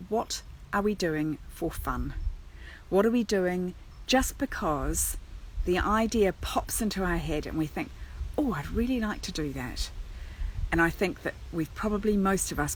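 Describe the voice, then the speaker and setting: A woman's voice: low-pitched, a little hiss or hum, low-quality recording. A woman from New Zealand, an agony aunt, chatting live and thinking aloud with many ums while sitting outdoors in a churchyard. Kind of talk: casual live stream chat.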